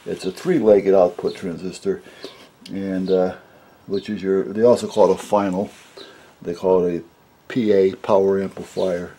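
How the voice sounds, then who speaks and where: A man's voice: sits low, little pitch movement, moderate pace, mellow, slightly rough. A middle-aged man giving a casual, unscripted repair walkthrough at a workbench, rambling and explaining things matter-of-factly. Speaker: hobbyist radio repairer, presenter. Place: indoors at a workbench.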